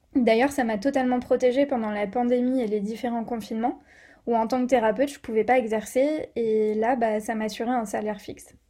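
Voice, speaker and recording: A woman talks at a fairly quick pace in a high voice with a dark, mellow tone. The recording is very clean, with a silent background. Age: 30s. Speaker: Ayurveda therapist and entrepreneur. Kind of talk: personal testimony. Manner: hesitant with fillers.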